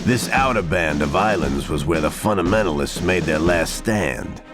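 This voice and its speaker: A man's voice: low voice, animated, moderate pace. A man playing a proud, defiant combat pilot, giving a tough, brooding monologue in a game cutscene. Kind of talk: dramatic first-person game monologue. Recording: loud music under the voice.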